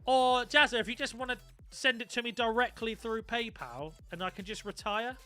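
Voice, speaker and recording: A man's voice: very high-pitched, moderate pace, sharp tone, faint music behind. A young man chatting casually on a live stream, swearing freely and reacting to his viewers. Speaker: gaming streamer.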